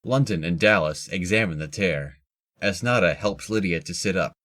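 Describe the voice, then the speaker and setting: A man with a deep voice serves as narrator of an audio drama. He reads scripted descriptions of the action. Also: normal speed, fairly bright tone.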